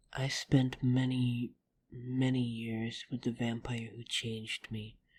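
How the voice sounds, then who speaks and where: A man puts on a character voice of medium pitch with monotone, flat intonation. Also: fairly slow pace. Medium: audio drama. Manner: calm, earnest.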